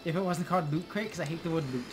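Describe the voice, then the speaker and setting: A man's voice: on the high side, very fast, music in the background. A young man playing an arcade game while co-hosting, making dry, wry asides as he concentrates. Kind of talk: casual let's-play banter.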